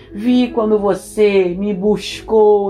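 A woman with a fairly high pitch talks as noticeable background noise plays behind her. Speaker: bishop preacher. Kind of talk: sermon; prayer. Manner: animated.

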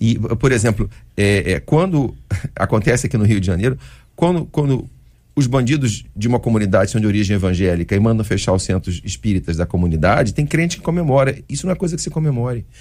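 A man talks at a fairly quick pace with very wide pitch swings around a fairly low register. The recording is very clean, with a silent background. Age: 40s. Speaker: pastor. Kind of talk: radio panel debate. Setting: radio studio.

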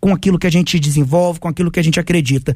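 The man speaking has a high pitch. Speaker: theater founder.

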